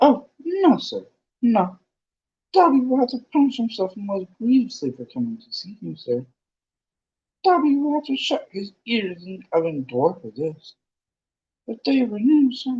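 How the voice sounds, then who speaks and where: In a put-on character voice, a high-pitched, female-sounding speaker moves at a moderate pace with long, frequent pauses. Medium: read story. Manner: servile, refers to himself by name.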